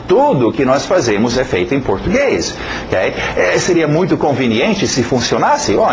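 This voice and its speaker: A male teacher talks through a course introduction in an easygoing, conversational way. He is a native English speaker, fills pauses with hesitations and keeps checking in with "ok?". Faint noise hums behind him. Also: medium pitch, rough recording. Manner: chatty, repeats "ok?" often, many fillers.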